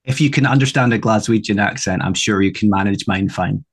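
Low-voiced Scottish man hosting a podcast. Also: fairly quick, husky. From Scotland. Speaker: podcast host. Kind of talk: casual interview chat.

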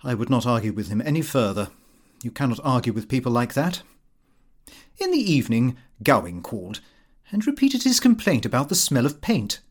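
A man's voice: medium pitch, big pitch swings, normal speed, breathy edge. A man with a British accent narrating a comic diary in a prim, precise, formal storytelling manner. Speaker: audiobook reader. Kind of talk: scripted narration of a comic fictional diary, read in character as the diarist.

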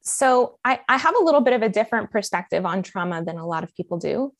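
A woman's voice: medium pitch, quick pace, no echo. Earnest American-accented woman, dry sound. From Colombia, raised in Miami. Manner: earnest storytelling with fillers. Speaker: life coach, podcast guest. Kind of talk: conversational interview.

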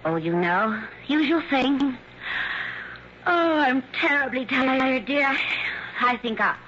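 An actress playing a writer's wife, sweet and tired, in an affectionate, fussy manner. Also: female voice, high voice, animated, takes it slowly, noisy background. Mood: weary. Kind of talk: 1960s radio drama acting. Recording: lo-fi old radio broadcast.

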